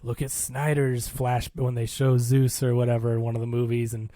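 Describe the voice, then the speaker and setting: A man's voice: mid-range voice, level tone, normal speed, mellow, no room sound, clean studio sound. A man hosting a film podcast, casually recapping a movie in colloquial, storytelling talk. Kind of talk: casual movie review chat, recapping a plot.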